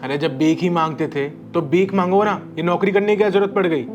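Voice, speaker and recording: An actor playing a blunt employer who fires off questions at a job seeker. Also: male voice, high-pitched, a little fast, muffled recording, natural voice. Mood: brusque. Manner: brusque, questioning. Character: brusque male employer interviewing a beggar.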